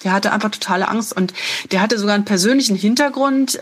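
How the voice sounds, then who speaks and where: At a very fast pace, the voice rises and falls with ordinary pitch variation. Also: woman. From Germany, Rhineland-Palatinate (Bingen). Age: 50s. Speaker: journalist and mental health patient advocate. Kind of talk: interview testimony. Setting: remote call. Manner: hesitant, many fillers.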